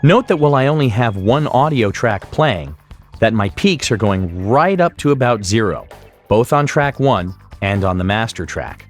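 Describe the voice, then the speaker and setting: Male tutorial narrator, explanatory, step-by-step, animated intonation, music in the background. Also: fairly low pitch, moderate pace. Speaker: software tutorial instructor. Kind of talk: instructional screen-capture narration.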